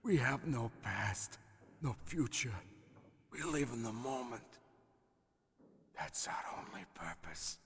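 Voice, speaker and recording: An actor playing an eerie, menacing, misanthropic psychic villain in a video game, theatrical and sinister, with a breathy hissing rasp. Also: male voice, medium pitch, very animated, slow pace, pauses often, a bit bright, far from the mic, full character voice. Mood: bitter, brooding.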